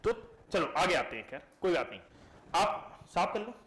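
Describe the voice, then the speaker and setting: A man teaching a live class, keeping it lively and putting questions to his students. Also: sits high, normal speed. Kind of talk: classroom lecture. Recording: echoey classroom.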